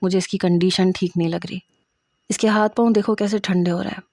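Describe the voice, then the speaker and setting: A woman voicing a feisty, teasing young female student in a story, bossy and sharp-tongued. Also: mid-range voice, steady tone, no room sound, clean studio sound, lightly acted.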